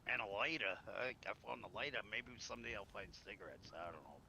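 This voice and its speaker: A man's voice: lowish voice, lively intonation, fast, vocal fry, bright, forceful tone, low-quality recording. A man rambling in a folksy, casual way while playing along in a survival roleplay game. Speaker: player in a zombie survival roleplay stream. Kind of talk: casual in-character roleplay chat. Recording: faint background noise.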